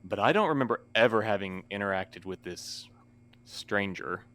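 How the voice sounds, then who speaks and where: An actor in an audio drama playing a weary postmaster who speaks formally with dry, sardonic wit. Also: male voice, on the low side, animated, normal speed, a bit bright. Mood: resigned. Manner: formal wordy phrasing, dryly sardonic.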